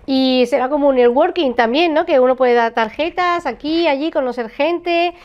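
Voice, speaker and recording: A woman's voice: high voice, moderate pace, lo-fi sound. A middle-aged woman with an accent from Spain, hosting a chatty, informal interview with encouraging interjections. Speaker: interviewer, host. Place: indoor room, seated interview.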